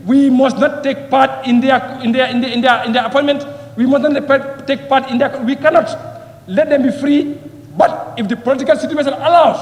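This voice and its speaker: A man giving an impassioned parliamentary speech, repeating phrases and firing rhetorical questions. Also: very high-pitched. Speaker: member of parliament. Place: parliament chamber. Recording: echoey hall with long reverb.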